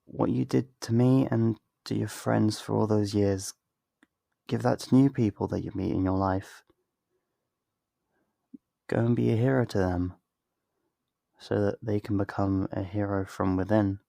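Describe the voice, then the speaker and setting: A man playing a slow, gravelly, tender best friend. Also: lowish voice, steady tone, warm tone, no echo, studio quality. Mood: tender, earnest. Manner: slow, intimate, earnest, with sighs and pauses. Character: tender, wistful best friend saying a heartfelt goodbye. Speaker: ASMR voice actor. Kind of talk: ASMR roleplay acting. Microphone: close studio mic, dry.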